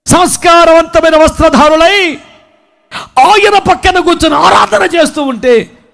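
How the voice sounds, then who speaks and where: A fervent, grieving woman disciple pours out her first-person confession of a soiled past made clean, pleading and rising to cries, as a man puts her on in his sermon. The voice sits extremely high, hardly lower than a woman's. It comes through as a sermon monologue.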